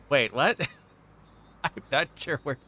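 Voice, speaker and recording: A man's voice: on the high side, bright, forceful tone. A man livestreaming a visual novel, switching between reading aloud and rambling, joking chat with viewers. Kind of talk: reading game text aloud mixed with casual stream chat.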